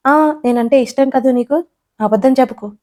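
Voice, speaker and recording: A woman voicing a young wife who is touchy and quick to pout, with a sulky, teasing way of talking. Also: sits high, warm tone, close to an everyday voice. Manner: sulky, teasing back and forth.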